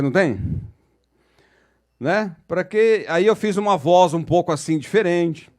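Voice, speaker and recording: A middle-aged man with a São Paulo accent, moderating a panel in an auditorium and telling a jokey story to the audience. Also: on the high side. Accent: São Paulo Portuguese. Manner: chatty, jokey, asks the crowd questions.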